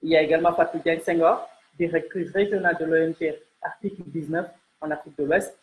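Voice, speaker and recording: A woman's voice: sits low, fairly even intonation, fast, low-quality recording. A woman presenting a panel interview as host, speaking in a formal, courteous way. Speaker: host and journalist.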